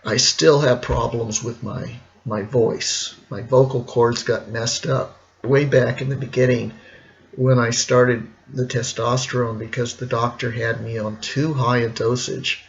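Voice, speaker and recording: A middle-aged man with a gravelly, hoarse, cracking voice, talking casually and reflectively in a rambling personal vlog. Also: medium pitch, lo-fi sound. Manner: rambling, reflective, slow with pauses. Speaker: vlogger.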